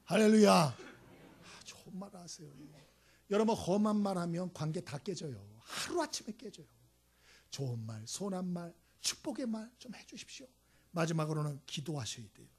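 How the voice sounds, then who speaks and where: Preaching at a normal speed with lively intonation, a man in the pulpit uses a high, breathy voice and moves from loud outbursts to soft, hushed asides. Along the way he shares anecdotes, performing each character's voice.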